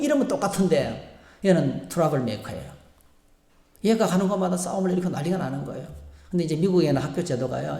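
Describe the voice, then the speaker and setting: A male pastor preaching a sermon, moving between animated storytelling and quieter reflection, with frequent fillers. His voice is gravelly. The reverberant church sanctuary gives it a roomy sound. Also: high voice.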